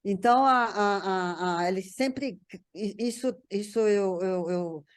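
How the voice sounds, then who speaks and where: Halting Brazilian woman in casual discussion. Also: mid-range voice, smooth. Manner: halting, repeats words while searching for phrasing. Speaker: panel guest discussing a TV writer's work. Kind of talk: casual conversational recollection.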